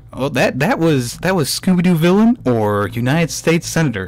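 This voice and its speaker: A man at a moderate pace with very wide pitch swings, music playing in the background. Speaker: podcast host. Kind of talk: casual interview conversation.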